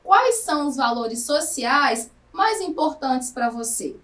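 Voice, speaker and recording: A woman teacher with a Brazilian Portuguese accent giving a recorded lesson to adult students, speaking slowly and drawing out her words. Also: sits high, lively intonation, fairly bright tone, distant mic. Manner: slow, careful, drawn-out words. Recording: echoey room, somewhat off-mic.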